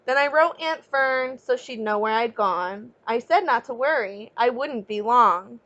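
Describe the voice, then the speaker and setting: A woman's voice: a little high, highs cut off. A woman teacher reading a children's picture book aloud expressively, stepping out of the story to chat with young listeners. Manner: expressive, pausing to ask young listeners questions and explain.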